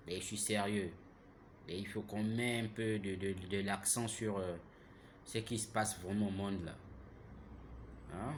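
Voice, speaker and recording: A man, giving an impassioned, preachy monologue that keeps turning to the listener with "hein?" and grows loud and heated. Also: fairly low pitch, a little hiss or hum. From Gabon. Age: 30s. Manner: preachy, repeats himself, asks listeners "hein?". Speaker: vlogger.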